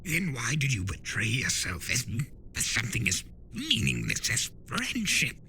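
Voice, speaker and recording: A man's voice: medium pitch, huge pitch swings, unhurried, pushed and bright, slight background noise, pitched above the performer's own voice, full character voice. A man voicing an embittered, defiant male centaur villain who snarls his lines in a dramatic story reading. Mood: snarling, defiant. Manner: snarling, bitter. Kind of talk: dramatic fan-fiction reading.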